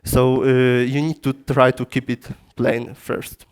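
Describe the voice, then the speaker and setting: A man with a Polish accent giving a technical lecture in a conference room through a PA system, in halting English with frequent restarts. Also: medium pitch, flat delivery, clear, resonant tone. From Poland. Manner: halting non-native phrasing with frequent restarts.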